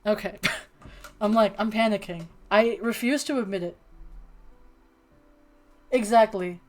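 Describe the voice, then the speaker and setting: A woman livestreamer reading a dating sim aloud and chatting in an expressive, flustered, playfully dramatic way. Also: medium pitch, a little slow, soft background music. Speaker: streamer playing a dating sim. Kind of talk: livestream chat and game read-aloud.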